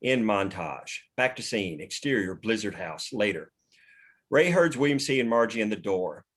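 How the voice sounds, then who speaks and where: Low-voiced man reading screenplay directions. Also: lively intonation, moderate pace, fairly bright tone. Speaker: narrator reading stage directions. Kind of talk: scripted narration, screenplay table read.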